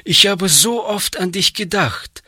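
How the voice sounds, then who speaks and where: A man's voice: high-pitched, measured pace, sharp tone, slightly rough, dry recording, clean studio sound, pitched above the performer's own voice, exaggerated voice. A man reading a storybook aloud, voicing an earnest, pious little girl who pleads eagerly. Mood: pleading, eager. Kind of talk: audiobook reading.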